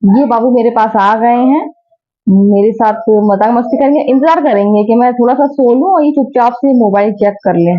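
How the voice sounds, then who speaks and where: A sleepy woman in her thirties talks chattily to her viewers from her bedroom. Her voice sits a little high, and the phone recording sounds dull and lo-fi. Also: normal speed. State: sleepy and tired. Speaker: family vlogger. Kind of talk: casual home vlog narration. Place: bedroom at home.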